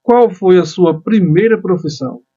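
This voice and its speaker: A man's voice: sits high, moderate pace, warm tone, husky, muffled recording. A man hosting a podcast, upbeat, polite and welcoming toward his guest. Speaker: podcast host.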